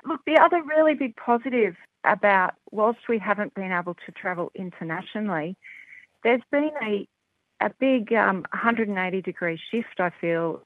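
A woman's voice: on the low side, dry recording. Woman, Australian accent, enthusiastic, lots of ums, tinny phone-line sound, dry. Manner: enthusiastic, upbeat, frequent "um" and "look". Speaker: rugby development representative. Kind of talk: phone interview guest.

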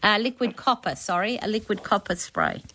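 A woman's voice: medium pitch, sing-song, brisk, bright, forceful tone. Australian woman giving chatty radio advice. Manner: chatty, colloquial. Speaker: gardening expert on radio talkback. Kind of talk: conversational practical advice. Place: radio studio.

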